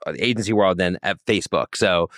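A man's voice: low voice, fast, fairly bright tone, no room sound, studio quality. A man hosting a podcast, recapping his guest's career in long questions and giving short affirmations. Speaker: podcast host. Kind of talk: interviewer questions.

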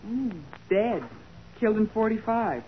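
An actress playing a loyal, inquisitive detective's assistant in a 1940s radio drama, with an eager, questioning manner. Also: female voice, a little high, expressive, a little slow. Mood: helpful. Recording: noisy, narrow-band old radio recording.

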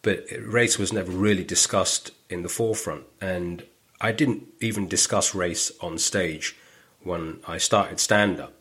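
A middle-aged stand-up comedian from northwest London with a London accent, chatting on a podcast in a lively storytelling way. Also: male voice, sits low, measured pace, husky. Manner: animated storytelling, acts out quoted voices. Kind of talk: casual podcast conversation.

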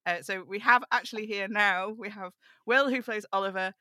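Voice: mid-range voice, steady tone, normal speed, pushed and bright, dry recording, studio quality. A host chatting casually in a rambling, self-deprecating way. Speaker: podcast host and cast member. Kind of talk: casual chat.

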